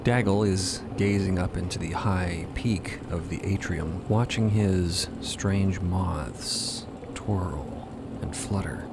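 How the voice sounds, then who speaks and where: A man narrating an improvised fiction podcast in a deliberate, descriptive way. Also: sits low, creaky, background noise.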